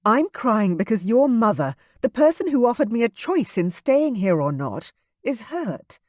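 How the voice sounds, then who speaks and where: An audiobook reader voicing a pregnant young woman who is emotional and quick to anger, in a raised, intense voice. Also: sing-song, no echo, clean studio sound. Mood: furious. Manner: high-pitched, intense, loud. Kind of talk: audiobook character voice.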